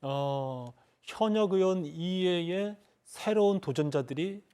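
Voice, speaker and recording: A middle-aged man, a former lawmaker, giving political commentary on a TV panel, halting often with "uh" and hedging his points. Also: high voice, animated, mellow, clean tone. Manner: halting, with frequent "uh" fillers and measured hedging.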